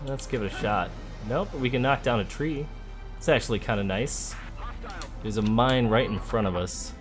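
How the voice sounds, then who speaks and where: A man giving relaxed, chatty gameplay commentary as a let's play host, thinking aloud as he goes. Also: medium pitch, moderate pace. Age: adult, parent of a school-age child. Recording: game music behind the voice. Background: video game music.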